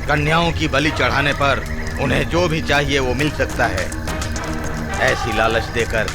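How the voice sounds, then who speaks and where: A man's voice: mid-range voice, natural voice. A man playing a fanatical, menacing occult priest in a dubbed film melodrama, chanting grandly and boasting. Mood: confessing coldly. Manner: chanting, grandiose, drawn-out delivery. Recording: loud background music over dubbed voice.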